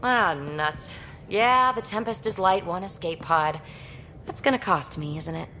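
A woman's voice: on the low side, unhurried, pushed and bright, soft background music. A woman playing a young, impulsive alien explorer in a video game, wry, casual and earnest. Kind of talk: video game cinematic acting.

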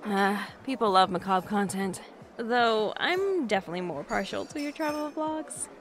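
A woman's voice: mid-range voice, lively intonation, normal speed, natural voice. A woman in her twenties playing a reserved, overworked young office worker in an audio drama, with music behind her. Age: 20s. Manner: reserved, defensive, a little awkward.

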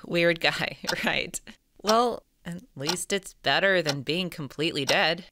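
A woman's voice: fairly low pitch, slow pace, background noise. A woman playing an easygoing, talkative hotel clerk on the night shift in an audio drama, casual and chatty. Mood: casual, joking.

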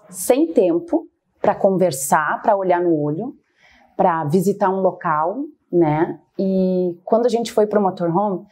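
A middle-aged woman with a southern Brazilian accent speaks conversationally as an interview guest, giving a personal testimony about her own experience. Her voice is mid-range with a darkish tone.

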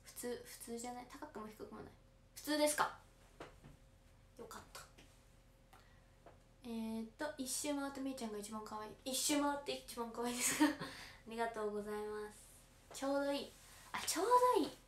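This teenage girl from the Kansai region, auditioning to become an idol, talks casually with her stream viewers, politely replying to the comments she reads aloud. Her fairly high voice is brisk yet broken by frequent pauses, and faint noise sits in a roomy recording.

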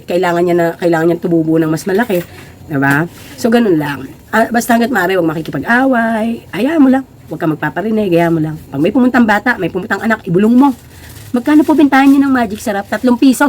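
A woman who runs a store, giving casual advice to other sellers on a livestream, laughing often and ending lines with tag questions. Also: mid-range voice. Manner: mixes English phrases into her talk.

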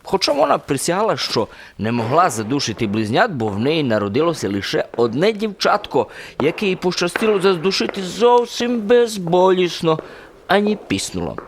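An actor playing a garrulous, cheerful simple soldier who rambles through folksy anecdotes in a radio drama. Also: male voice, on the high side, big pitch swings, brisk, a little hiss or hum. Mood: cheerful rambling. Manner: folksy, chatty, rambling storytelling.

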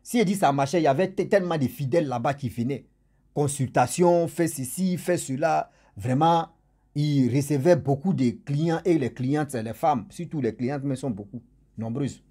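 Husky-voiced male storyteller. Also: a little high, moderate pace, warm tone. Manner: chatty, jokey asides to listeners. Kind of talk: casual oral storytelling.

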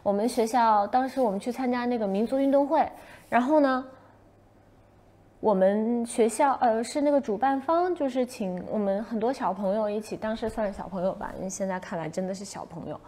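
A young woman hosting a casual livestream, telling a story in an animated way and acting out her own past shouts. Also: on the high side, a little fast. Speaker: livestream host.

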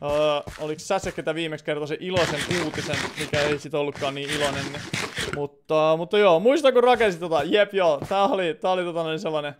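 A man's voice: a little high, noisy background. A man doing live gameplay commentary on a stream, rambling and chatty, answering viewer comments with sudden startled outbursts.

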